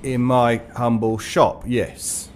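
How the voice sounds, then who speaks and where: A man's voice: mid-range voice, level tone, takes it slowly, darkish tone, slight background noise, lightly acted. An actor playing a wry, needling male shopkeeper in a horror audio drama, with a dry conversational delivery. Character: wry, needling shopkeeper from a haunted man's past.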